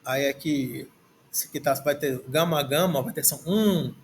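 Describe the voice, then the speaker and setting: Slow, halting Brazilian teacher. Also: male voice, fairly high pitch, slight background noise. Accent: Brazilian Portuguese. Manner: repeats words aloud, thinking as he reads. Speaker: Greek language teacher. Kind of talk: slow, halting lesson, going through a textbook. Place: at a desk, screen recording.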